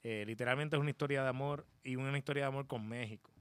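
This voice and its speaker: A young man, a podcast guest telling his story in a relaxed way, with many fillers and repeats. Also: mid-range voice, racing, heavy background noise. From Dominican Republic. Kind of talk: casual storytelling chat.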